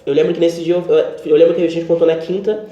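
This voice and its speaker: A man's voice: fairly high pitch, fast. A young man from Brazil, co-hosting a podcast and telling a personal story in casual chat, acting out the dialogue he recounts. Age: young adult. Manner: animated, acts out quoted dialogue. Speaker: podcast co-host. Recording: roomy, dull-sounding home recording.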